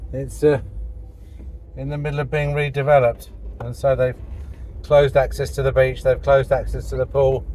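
A man speaks at a moderate pace with long, frequent pauses and big swings in loudness, the sound dry with no echo over light background noise. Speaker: driver vlogger. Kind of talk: casual vlog chat. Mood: wry, mildly annoyed. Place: car. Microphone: phone near.

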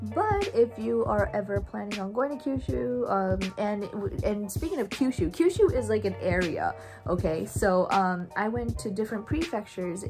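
A woman speaks at a moderate pace while music comes through clearly behind her. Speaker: vlogger. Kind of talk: casual vlog chat. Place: home room. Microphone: phone near.

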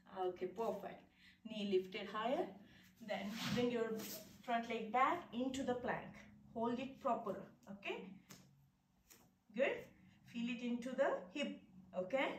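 In a room with audible echo and light background noise, a woman talks at a fairly slow pace with long, frequent pauses and ordinary pitch variation. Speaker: yoga instructor. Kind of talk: tutorial. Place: home room. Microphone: camera far.

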